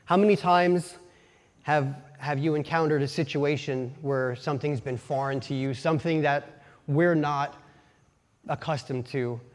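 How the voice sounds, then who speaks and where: A man's voice: on the high side, steady tone. Folksy Pennsylvania Dutch man in a church. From Pennsylvania, USA. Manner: folksy, self-deprecating, halting restarts. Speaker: lay preacher. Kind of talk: casual sermon with personal stories. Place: church sanctuary. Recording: long church reverb.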